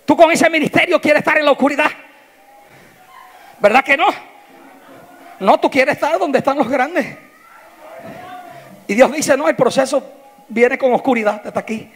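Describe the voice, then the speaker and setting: A male pastor preaching an impassioned sermon, swinging from shouted lines to hushed, tearful tones. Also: very high-pitched, moderate pace, long pauses.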